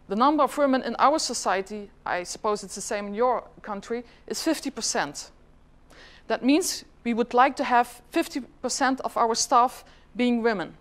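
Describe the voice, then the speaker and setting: A middle-aged Flemish woman whose first language is Dutch, giving a chatty conference presentation and asking the audience questions. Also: a little high. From Flanders, Belgium. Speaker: government department head giving a presentation.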